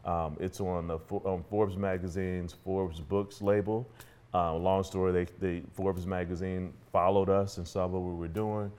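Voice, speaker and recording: A man's voice: low-pitched, flat delivery, measured pace, a little mellow. A middle-aged man with an African American accent, talking casually and earnestly as a guest on an interview show, offering encouraging advice. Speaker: podcast guest, entrepreneur and author.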